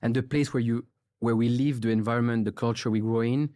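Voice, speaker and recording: A man's voice: mid-range voice, brisk, dry recording, studio quality. Easygoing male podcast host. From Switzerland. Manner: relaxed, reflective, asks long questions. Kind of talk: interview conversation.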